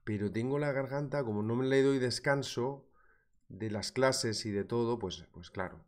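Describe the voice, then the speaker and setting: His voice is mid-range and his speed normal as this man in his thirties, with an accent from Spain, hosts a live trading webinar at a desk in a small indoor room. Though his throat is sore from a cold, he's lively and talkative, addressing viewers directly while analyzing markets and reading their comments.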